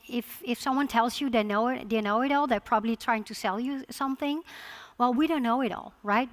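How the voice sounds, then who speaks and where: A woman's voice: fairly high pitch, fairly bright tone. A woman from the Netherlands with a Dutch accent, giving a conference presentation with frequent restarts. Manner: halting restarts, repeated words. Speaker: conference speaker.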